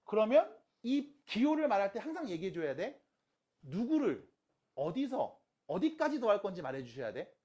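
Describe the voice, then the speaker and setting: A math teacher giving an online lecture to high school students. The teacher keeps asking rhetorical questions, repeats key steps slowly, and mixes casual and polite speech. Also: big pitch swings, warm tone, dull audio.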